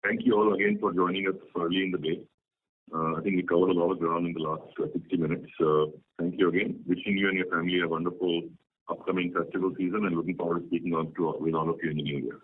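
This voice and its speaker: A man speaks as a company executive on an earnings call, explaining in business jargon. His voice is very deep and husky, and he talks quickly. The sound is that of a narrowband phone conference line. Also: fairly even intonation. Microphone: telephone.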